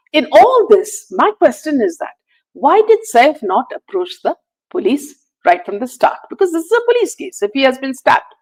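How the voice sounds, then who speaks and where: A woman's voice: sits high, rough recording. A woman hosting a live stream, reading viewer comments and firing indignant rhetorical questions with many "uh"s and "you know"s. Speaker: host.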